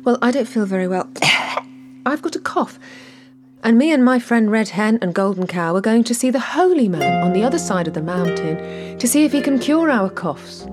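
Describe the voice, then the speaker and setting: A woman's voice: a little high, lively intonation, moderate pace, music in the background, lightly acted. A woman voicing a fussy little black cat in a storybook tale.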